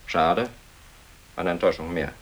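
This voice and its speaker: An actor playing an earnest, unyielding Catholic priest held captive, speaking in a measured, reproachful and articulate way in a radio drama. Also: male voice, low voice, fairly even intonation, fairly bright tone. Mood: grave, resigned. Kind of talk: German radio drama acting.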